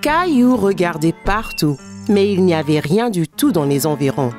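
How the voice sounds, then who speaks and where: A woman's voice: lowish voice, lively intonation, moderate pace, a little mellow, faint music behind, lightly acted. A woman narrating a children's cartoon in the manner of a storybook reader. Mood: storytelling. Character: storyteller of a small boy's everyday adventures.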